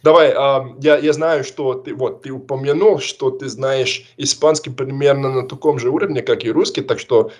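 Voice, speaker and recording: A man's voice: mid-range voice, steady tone, a little slow, few pauses. A young man hosting a casual conversation, asking questions and steering the talk.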